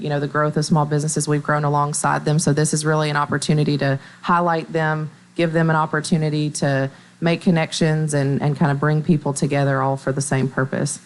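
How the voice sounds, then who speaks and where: A woman in her thirties from Middle Tennessee, a bank marketing staffer talking on local radio in a measured, upbeat way with fillers. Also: low voice, little pitch movement. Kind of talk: radio interview.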